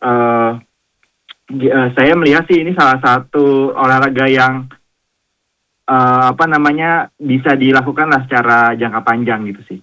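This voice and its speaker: A man from Jakarta answering questions as a radio guest, hesitant and friendly, full of pauses. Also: mid-range voice, fairly even intonation, bright, forceful tone, poor audio. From Jakarta, Indonesia. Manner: hesitant, many fillers and restarts, friendly. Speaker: guest, founder of a swimming community.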